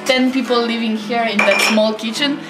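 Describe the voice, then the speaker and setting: Young woman, English, friendly, fairly high voice, echoey room over loud music. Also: fairly even intonation, normal speed. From France. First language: French. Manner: friendly, simple non-native English. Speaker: European volunteer. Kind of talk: casual home tour and reflection. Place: shared house indoors.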